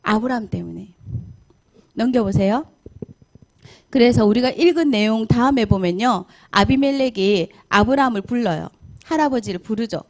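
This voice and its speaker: A woman's voice: on the high side, moderate pace. A middle-aged pastor's wife telling a Bible story to a Sunday school class, acting out the figures' lines as she goes. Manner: talks directly to the children. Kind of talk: children's Bible story lesson.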